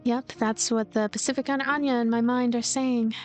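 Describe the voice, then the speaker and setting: A woman's voice: on the high side, fairly even intonation, brisk, soft background music, close to an everyday voice. A woman voicing a lonely, cynical, manipulative girl who narrates a visual novel in a detached, coaxing way. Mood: detached, calculating.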